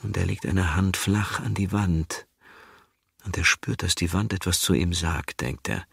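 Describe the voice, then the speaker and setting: A man narrating an audiobook in a slow, hushed manner, dwelling on repetitions. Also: low-pitched, steady tone, gravelly, slightly rough, no echo, clean studio sound.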